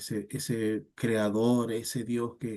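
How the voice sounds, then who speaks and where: A soft-spoken man with a dark, mellow tone at a medium pitch, very slow and monotone with flat intonation, against a quiet background. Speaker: Bible study teacher. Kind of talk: online Bible class discussion.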